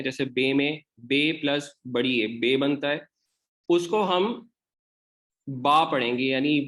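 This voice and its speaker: A man with a Pakistani Urdu accent gives an online Arabic grammar lecture, explaining things step by step and repeating example words. His voice sits on the high side with a fairly bright tone.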